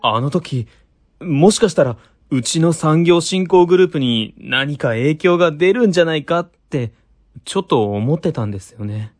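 A man's voice: a little high, animated, moderate pace, close to an everyday voice. A man playing a thoughtful office worker in a radio drama, speaking in a reflective way. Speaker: ward office staffer. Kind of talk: amateur web radio drama acting.

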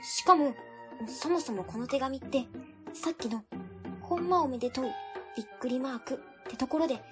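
A woman's voice: sits high, animated, normal speed, over music. An actress playing a polite, methodical young female civil servant in an amateur web radio drama. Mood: insistent.

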